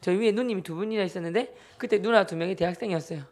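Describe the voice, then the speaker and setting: A man in his thirties with a Gyeongsang accent, a church deacon giving a lively testimony talk and acting out his family. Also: high-pitched, very fast. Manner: animated storyteller who acts out family members.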